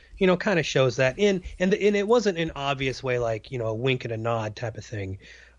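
A man with a plain, everyday voice and an American accent speaks at a fairly high pitch with lively intonation. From US Midwest. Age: 40s. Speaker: podcast host and film columnist. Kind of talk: casual chat.

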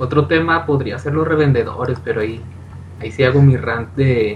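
Amid noticeable background noise and audible room echo, a man speaks at a moderate pace in a medium pitch with ordinary variation. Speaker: podcast co-host. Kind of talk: casual chat.

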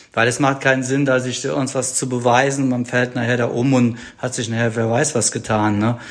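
Over noticeable background noise, a man talks in a flat monotone. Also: medium pitch for a man, moderate pace. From Germany, Eifel (Rhineland-Palatinate). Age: 50s. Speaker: amateur mountain biker. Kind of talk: casual chat.

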